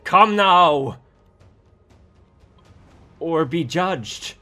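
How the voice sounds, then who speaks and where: A man's voice: a little high, lively intonation, drawn-out words, faint music behind, voice pushed up, full character voice. Man as urgent ancient tribal summoner, raised voice. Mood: urgent, angry. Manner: loud, pleading declamation. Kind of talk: dramatic audiobook-style character acting.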